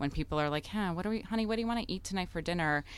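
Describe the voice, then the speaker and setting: The recording is very clean with a silent background. A woman is the speaker. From US Midwest, Chicago. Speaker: chef and restaurant owner. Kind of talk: interview. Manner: hesitant, many fillers.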